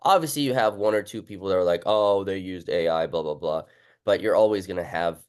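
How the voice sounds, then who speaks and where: A man's voice: deep voice, a little fast, clean tone. A man hosting a casual, conversational interview, talking informally with his guest. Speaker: host and book author.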